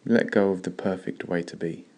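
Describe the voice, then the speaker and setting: A man leading a guided meditation in a slow, calm, gentle way with long pauses. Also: deep voice.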